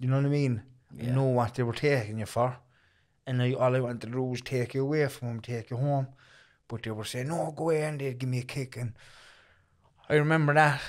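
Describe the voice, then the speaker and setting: In a Cork accent, a man talks at a very fast pace yet with long, frequent pauses against a quiet background. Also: fairly even intonation. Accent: Cork Irish. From Ireland, Cork. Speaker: podcast host in recovery. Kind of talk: casual chat. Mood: earnest, reflective about hard past. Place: studio.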